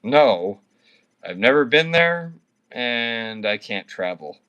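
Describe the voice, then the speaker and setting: A man's voice: medium pitch, big pitch swings, takes it slowly, bright, forceful tone, smooth, muffled recording. A man in his thirties, drunk and slurring, rambling and swearing constantly while chatting with viewers on a livestream. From Canada. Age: 30s. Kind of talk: casual livestream chat with viewers.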